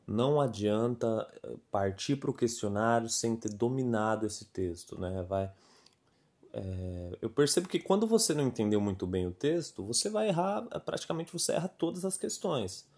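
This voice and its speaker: A man's voice: mid-range voice, very animated, moderate pace, a little mellow. Chatty Brazilian man teaching a lesson. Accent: Brazilian Portuguese. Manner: chatty and patient, leans on filler tags like "né" and "tá". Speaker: Portuguese-language teacher and podcast host. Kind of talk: casual spoken lesson going over a quiz.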